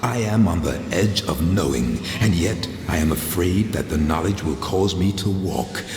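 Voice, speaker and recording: A man's voice: low-pitched, expressive, moderate pace, darkish tone. A man playing a brooding, grim supernatural warrior in a video game, speaking in a solemn, portentous manner. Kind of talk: dramatic video game monologue and dialogue. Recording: noisy, echoey hall reverb.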